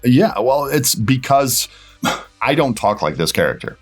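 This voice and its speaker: A man talking casually as an interview guest, thinking aloud in short, halting phrases. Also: mid-range voice, very animated. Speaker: voice actor and director, interview guest. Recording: music behind the voice. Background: background music.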